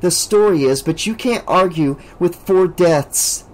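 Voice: medium pitch, unhurried, darkish tone, voice pushed up, natural voice, rough recording. A reader voicing a frightened, haunted teenage girl who talks tremulously and pleads to be believed. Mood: weary. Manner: tremulous, whispering.

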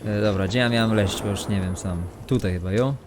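A man's voice: lowish voice, a little fast. A man commentating live on a horror game he is playing, muttering and swearing to himself and his viewers. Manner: muttering, swearing, self-talk. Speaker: streamer. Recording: noisy game stream audio.

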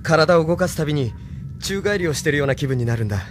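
A man's voice: on the high side, expressive, fast, close to an everyday voice. An actor playing a young man new to space, sounding bewildered and earnest. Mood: unsettled. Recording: music bed under the voice.

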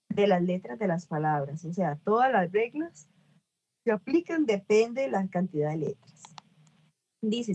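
A woman teacher leads an online English lesson at a medium pitch. She spells out each rule step by step, repeats key points and keeps checking that her students follow. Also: darkish tone. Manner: patient, repeats and checks understanding. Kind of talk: online class explaining grammar.

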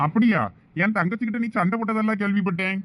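Man for a protective, lecturing young villager, Thoothukudi Tamil, very fast talker. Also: high-pitched, fairly even intonation, fairly bright tone, no echo. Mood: teasing. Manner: brisk, teasing, lecturing.

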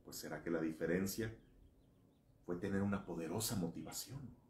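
A man in his thirties with a Mexican accent, a priest giving a motivational religious talk with animated, emphatic storytelling and rhetorical questions. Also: low-pitched, normal speed, slight background noise. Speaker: Catholic priest. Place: small indoor room. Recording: echoey room.

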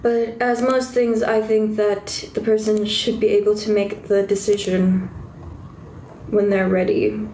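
With a medium-pitched, dark, flat voice, a little slow, a stuffy-nosed young South African woman with a fading voice chats casually with her livestream viewers from her bedroom. She's talkative, easily distracted and squeals at cute things. Recorded on a phone held close, the low-quality audio is reverberant with some hiss or hum.

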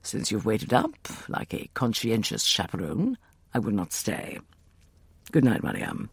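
A man playing a suave, drily ironic gentleman. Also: fairly low pitch, huge pitch swings, unhurried, creaky, slightly rough, no room sound, voice pushed down, full character voice. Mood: dry.

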